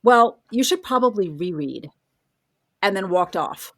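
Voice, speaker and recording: A woman's voice: mid-range voice, lively intonation, measured pace. A middle-aged woman telling her own story in a casual interview, articulate and self-deprecating. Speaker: podcast guest, horror writer and college professor.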